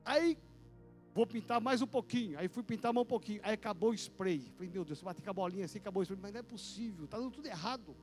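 A male pastor, telling a personal story in a sermon with vivid, animated delivery and sound effects. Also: high voice, fast, faint music behind.

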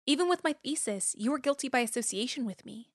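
A woman's voice: high-pitched, animated, fast, no room sound, clean studio sound. A woman playing an indignant, fiercely principled academic activist in an audio drama, speaking in an emphatic, impassioned way. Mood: guilty, apologetic.

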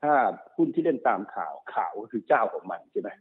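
A man working as a stock market analyst, explaining market cycles quickly and repeating himself, often checking that the listener follows. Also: medium pitch, big pitch swings, slightly rough. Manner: fast, repetitive explaining, often checks understanding. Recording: narrow phone-like sound.

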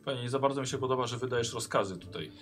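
A man's voice: mid-range voice, racing, fairly bright tone, lightly acted. A man voicing a stubborn male road warden who talks guardedly and placatingly, with faint music behind. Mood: defensive.

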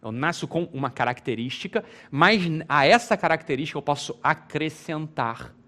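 Brazilian guy teaching, keeps going "right? isn't it so?", bit high voice. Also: lively intonation, moderate pace, pushed and bright. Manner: emphatic, keeps asking rhetorical questions; repeats phrases, restarts. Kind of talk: informal spoken lecture.

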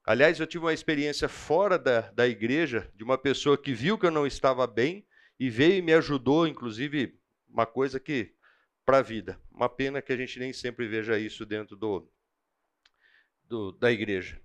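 A man with a Brazilian Portuguese accent teaching a church Bible class, telling animated personal stories in a slangy, chatty way. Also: medium pitch, normal speed.

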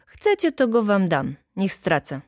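A woman's voice: medium pitch, huge pitch swings, unhurried, dry recording, studio quality, exaggerated voice. A woman reading a story aloud and voicing a boastful, tipsy male local official who talks in a bluff, showy, persuasive way.

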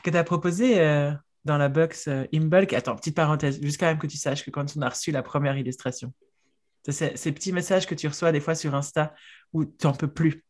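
A woman's voice: low voice, fairly even intonation, a little fast, a little mellow. A woman co-hosting a casual podcast, effusive and hesitant, restarting her sentences often. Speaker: podcast co-host.

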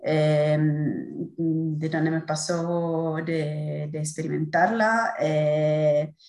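Halting Italian-accented woman, roomy sound. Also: deep voice, steady tone, darkish tone. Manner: halting, searching for words, repeating words. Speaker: course participant. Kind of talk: spontaneous discussion contribution.

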